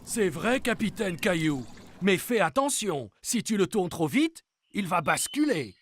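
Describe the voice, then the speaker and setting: A man's voice: sits high, very animated, a little slow, full character voice. A man voicing a playful, kindly old grandfather in a dubbed children's cartoon. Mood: kindly, encouraging.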